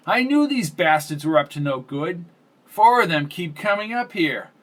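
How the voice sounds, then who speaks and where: A man's voice: a little high, very animated, moderate pace, voice pushed up. A man doing a brash, cursing landlady. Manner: brash, gossipy, curses freely. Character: blunt, foul-mouthed older landlady.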